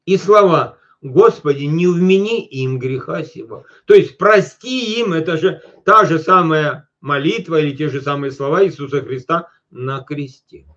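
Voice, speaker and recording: A male preacher with a fairly high voice, caught on a dull, lo-fi recording. He reads scripture slowly, stops to speak straight to his listeners, then rushes on in quick everyday asides. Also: a bit bright. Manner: often addresses listeners directly. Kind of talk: sermon.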